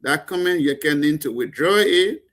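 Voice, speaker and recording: A man's voice: a little high, lively intonation, moderate pace, a bit bright. A man with a Liberian accent, speaking as a panel guest in a heated political talk show, impassioned and emphatic with stumbling restarts.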